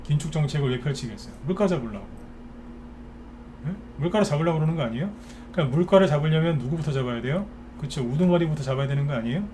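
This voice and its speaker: A man's voice: on the high side, racing, mellow, a little hiss or hum. A man giving a live stock market lecture, ranting bluntly and firing rhetorical questions at his viewers.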